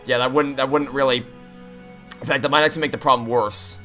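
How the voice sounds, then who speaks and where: Bright-voiced man, exasperated game commentary. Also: medium pitch, steady tone, fast talker, faint music behind. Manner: ranting, exasperated, sweary. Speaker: gaming streamer playing through a game. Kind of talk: casual game commentary, chatty.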